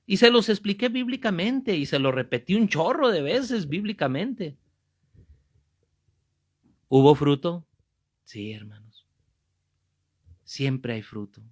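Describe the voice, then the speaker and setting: A Catholic preacher, teaching a Bible class in a fervent, emphatic way and repeating key phrases. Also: male voice, medium pitch. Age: 50s.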